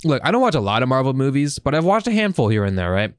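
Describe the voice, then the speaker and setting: A man's voice: mid-range voice, sing-song, fast, smooth, no echo, studio quality. A man podcasting in a casual, profane chat, rambling and enthusiastic with plenty of slang. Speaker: podcast host.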